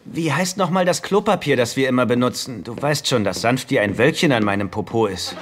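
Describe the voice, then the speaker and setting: A man's voice: mid-range voice, animated, fairly quick, natural voice. An actor in a German-dubbed sitcom playing a lovesick, naive rich man with a plaintive, boyish way of pleading. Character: lovesick, childlike wealthy man, whiny and naive. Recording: noisy TV soundtrack rip.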